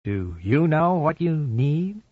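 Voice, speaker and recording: Creepy stalker guy drawling slow and sinister over the phone, narrator putting it on, breathy, dull recording. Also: on the high side, sing-song, no room sound, pitched above the performer's own voice, full character voice. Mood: menacing. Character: menacing man stalking a woman by phone. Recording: dull, dry lo-fi audiobook recording.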